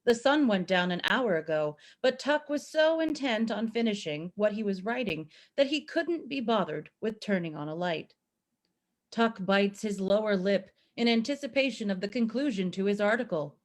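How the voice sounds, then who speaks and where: A woman's voice: medium pitch, animated, normal speed. A woman narrating scripted stage directions for a play reading.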